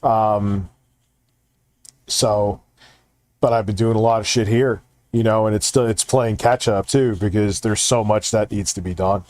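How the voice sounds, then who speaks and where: A man's voice: lowish voice, steady tone, a little slow, a little mellow. A man hosting a livestream, talking casually and rambling, with lots of swearing. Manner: profane, rambling, conversational. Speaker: streamer and show host.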